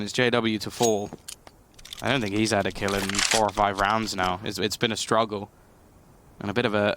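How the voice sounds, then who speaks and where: A man's voice: fairly low pitch, fairly bright tone. A man commentating as an esports caster, following the action and adding analysis. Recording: game gunfire noise behind voice. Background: video game gunfire and clicks.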